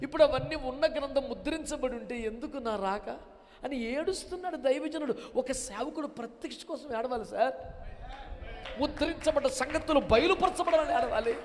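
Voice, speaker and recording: A male pastor preaching a sermon, animated and dramatic, acting out quotes in his talk, with a Telugu accent. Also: extremely high pitch, moderate pace, big-room sound.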